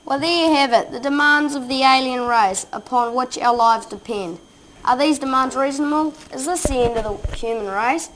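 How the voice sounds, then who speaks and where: A breathless evening anchor, played by a New woman, building up every headline with newsreader drama. Her voice sits fairly high. Faint noise runs behind it. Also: moderate pace, a bit bright, low-quality recording. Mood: urgent. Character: male news anchor Joseph, urgent and dramatic. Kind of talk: mock news anchoring.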